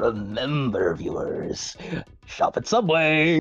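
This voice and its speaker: Someone uses a put-on character voice and speaks at a very slow pace over faint background music. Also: man. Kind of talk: mock commercial aside.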